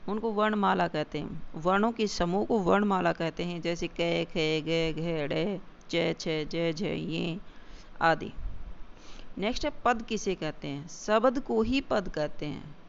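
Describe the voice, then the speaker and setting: A grammar teacher explaining definitions step by step, repeating key points and slowing down for examples. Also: mid-range voice, vocal fry. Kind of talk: exam-prep grammar lesson. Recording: dull lo-fi recording with faint hiss.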